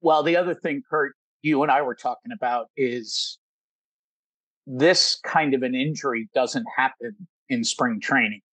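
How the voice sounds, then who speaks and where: A man's voice: mid-range voice, a little slow, a bit bright, no room sound, rough recording. A man co-hosting a sports podcast, chatting in an easygoing, agreeable way. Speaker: podcast co-host. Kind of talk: casual sports podcast chat.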